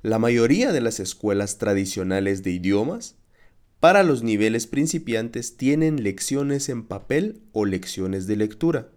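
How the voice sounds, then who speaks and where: A man hosting a podcast lesson as a Spanish teacher, speaking in a clear, encouraging, teacherly way. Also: on the low side, lively intonation, a little slow, a little mellow.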